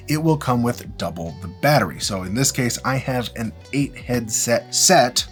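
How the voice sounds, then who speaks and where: A man presenting an instructional gear demonstration in an informal, explanatory way with emphatic phrasing. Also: mid-range voice. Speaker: presenter of a film-gear tutorial. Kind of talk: instructional product demonstration with casual asides. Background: background music.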